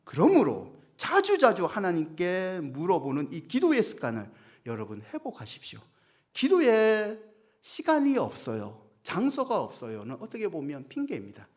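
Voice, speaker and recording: A male senior pastor preaching a sermon, swinging between soft asides and rising emphasis as he tells stories. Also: fairly high pitch. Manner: preaching with dramatic swings, acting out a story.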